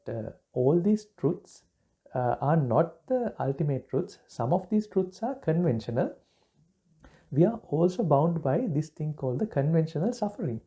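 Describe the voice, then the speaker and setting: Soft-spoken Sri monk, halting talk. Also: male voice, a little high. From Sri Lanka. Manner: halting, many fillers and restarts. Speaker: Buddhist monk giving a talk. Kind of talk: relaxed dharma talk.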